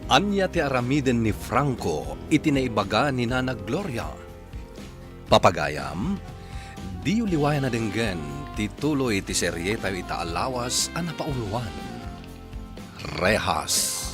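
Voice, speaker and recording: Male announcer, unhurried, expressive narration over music. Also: medium pitch. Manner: measured announcer delivery. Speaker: radio drama narrator. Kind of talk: scripted radio narration.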